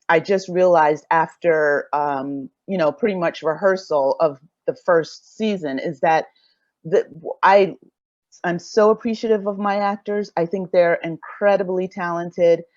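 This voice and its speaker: A woman with a fairly low voice takes part in an unscripted panel. She speaks reflectively and haltingly, often rephrasing as she searches for words. The recording is very dry and slightly dull. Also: no echo. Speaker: audio drama creator, panelist.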